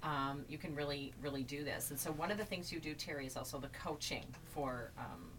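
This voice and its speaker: A woman's voice: deep voice, brisk, noisy background. A woman hosting an interview, affirming her guest and steering the chat with questions. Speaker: interview host. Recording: distant mic with faint ambience.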